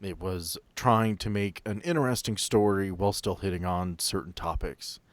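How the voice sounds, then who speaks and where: Podcast host, low-pitched man, earnest and casual, dry close mic. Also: moderate pace, no echo. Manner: earnest, apologetic, then joking. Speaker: podcast storyteller. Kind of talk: casual chat.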